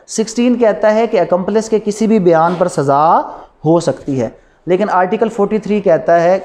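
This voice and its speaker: A man's voice: high voice, darkish tone. A man with a Pakistani accent giving a law lecture in a didactic way, posing rhetorical questions and answering them himself.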